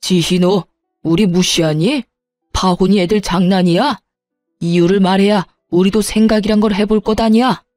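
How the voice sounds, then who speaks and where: A woman's voice: medium pitch, fairly even intonation, moderate pace, darkish tone, dry recording, clean studio sound, faint music behind, lightly acted. Woman doing a stern scolding mother-in-law. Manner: scolding, indignant. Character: stern middle-aged future mother-in-law.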